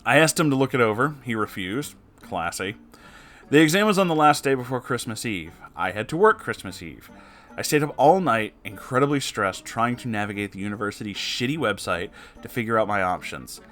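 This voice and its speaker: A man with a mid-pitched voice hosts a casual story reading over music. He is animated and sarcastic, dropping exasperated, sweary asides into the narration as he goes. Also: a little fast. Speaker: host reading listener-submitted stories aloud with reactions. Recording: music behind the voice.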